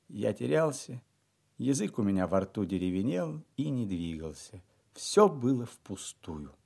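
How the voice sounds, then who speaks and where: Man reading a reflective memoir. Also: mid-range voice. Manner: reflective, lively varied intonation, soft drops in volume. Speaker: audiobook narrator. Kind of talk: literary audiobook reading.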